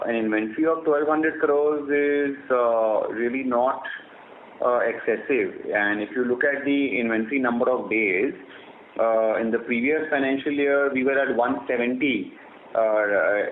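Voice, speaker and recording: A man with an Indian accent answering as a company executive on an earnings call, formal and measured, with hesitant phrasing. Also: mid-range voice. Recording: roomy, band-limited phone line with noise.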